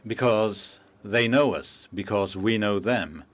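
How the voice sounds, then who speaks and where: A conference interpreter with a lowish voice renders a formal speech simultaneously into a booth microphone. His delivery is measured and halting, full of pauses and fillers.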